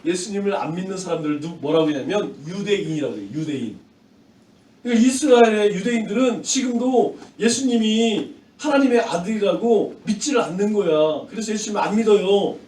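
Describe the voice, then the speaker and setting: Animated high-voiced pastor telling a children's sermon. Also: male voice, a little fast, slight background noise. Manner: animated, asks children questions, acts out crowd voices. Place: church hall. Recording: echoey church hall from a distance.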